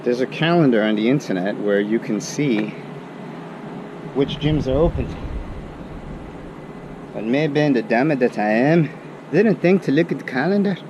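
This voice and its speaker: A young male student vlogs while walking outdoors along city streets and across a campus, muttering to himself in a put-on Irish accent and mocking himself. His medium-pitched voice is expressive, at a moderate pace with long pauses. Street traffic noise runs through the recording.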